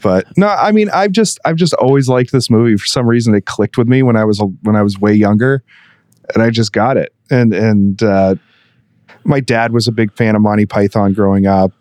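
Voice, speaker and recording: A man's voice: on the low side, normal speed, a little mellow, no echo, studio quality. A young adult man co-hosting a podcast, chatting casually, laughing a lot and rambling with fillers. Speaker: podcast co-host. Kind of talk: casual chat.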